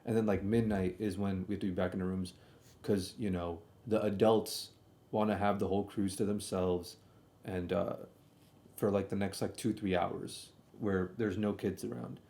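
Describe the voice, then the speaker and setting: A man's voice: sits low, fairly even intonation, moderate pace, creaky, mellow. A young man telling a casual, slangy stream story, often doubling back and repeating himself as he comments on old videos.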